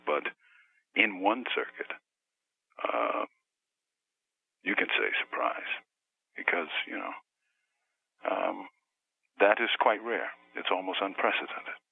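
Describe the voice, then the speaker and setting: A man speaking from a prison cell over a prison phone line in a measured, halting interview manner with many pauses. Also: low voice, very animated, vocal fry, breathy edge. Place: prison cell on death row.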